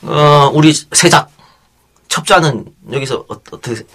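A man's voice: on the high side, measured pace, fairly bright tone, husky. A man hosting a talk show in casual chat, with a loose, blunt, colloquial way of talking.

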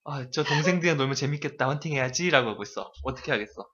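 A man's voice: mid-range voice, expressive, very fast, pushed and bright, muffled recording. A man coaching English in a casual, teasing chat, laughing often as he explains phrases. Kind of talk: casual language lesson chat.

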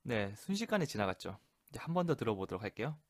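A man teaching English expressions in a relaxed explanatory lesson, repeating phrases slowly for practice. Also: lowish voice, background noise. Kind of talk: Korean-language English lesson explaining sitcom lines.

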